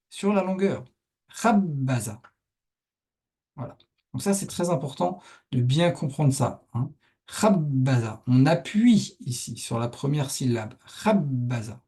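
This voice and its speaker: A man's voice: a little high, dark tone, husky. A male Arabic teacher patiently explaining a lesson step by step over on-screen writing, with frequent verbal check-ins to his students.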